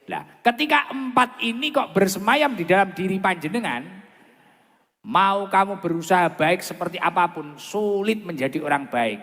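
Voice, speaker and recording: A man's voice: moderate pace, fairly bright tone. A man with a Javanese accent preaching informally over a PA at a large gathering, chatting and bantering with the crowd as he repeats phrases. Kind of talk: informal sermon with asides to the crowd. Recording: long booming reverb of an outdoor PA.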